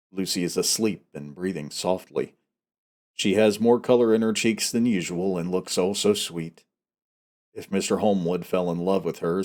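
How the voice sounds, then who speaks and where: A man's voice: low voice, a little mellow. A man hosting a novel read-aloud, talking casually and reading in an audiobook style. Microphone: headset.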